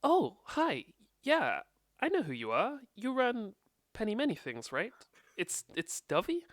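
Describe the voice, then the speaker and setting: A woman's voice: fairly high pitch, huge pitch swings, unhurried, dry recording, pitched above the performer's own voice. Woman playing a flustered shop owner. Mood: friendly. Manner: flustered, stumbling over words. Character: flustered young woman shop owner, trying to seem cool. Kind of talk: tabletop role-play in character.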